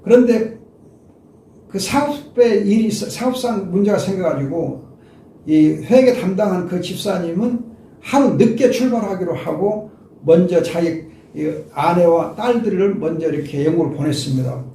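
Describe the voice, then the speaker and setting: A man's voice: high-pitched, expressive, moderate pace, mellow, echoey room, far from the mic, slight background noise. An older man preaching an expository sermon as a pastor, emphatic and speaking directly to his listeners.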